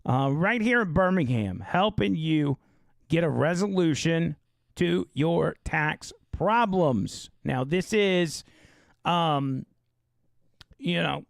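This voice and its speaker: A male talk show host with a gravelly, slightly hoarse voice, chatting loosely and reading an ad. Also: on the high side, lively intonation, slow, dry recording, studio quality. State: losing his voice. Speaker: radio and live-stream show host. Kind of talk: casual live talk show with read ad.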